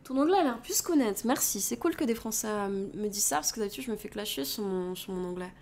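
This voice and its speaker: A woman's voice: medium pitch, animated, fast, darkish tone, a little hiss or hum. A young adult woman with a French accent, a streamer chatting casually, reading out and answering chat while switching languages.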